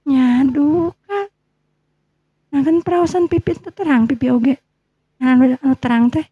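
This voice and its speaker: A woman's voice: sits high, moderate pace, no room sound, soft background music, close to an everyday voice. A woman playing a coy, pouting young woman in love, teasing and insistent, with a Sundanese accent, in an audio story. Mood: bashful, insistent. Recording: muffled, lo-fi recording.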